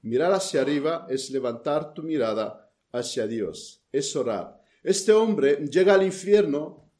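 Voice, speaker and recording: A man preaching a sermon in an earnest tone, reading scripture aloud and pausing to explain it. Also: a little high, animated, darkish tone. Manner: earnest, reads scripture aloud with pauses and restarts.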